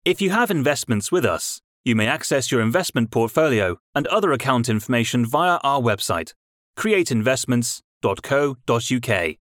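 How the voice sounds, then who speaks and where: A man giving a recorded phone menu announcement in a measured, formal, courteous way. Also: medium pitch, sing-song, a bit bright, dry recording, studio quality.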